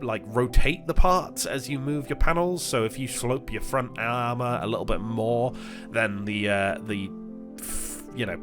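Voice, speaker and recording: A man with a fairly low voice talks through his gaming session in a loose, rambling way, full of "uh"s and restarts. He sounds a bit congested from a recent illness. Soft guitar music plays quietly behind him. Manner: rambling, many fillers and restarts. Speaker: gaming channel host. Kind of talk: casual gameplay commentary.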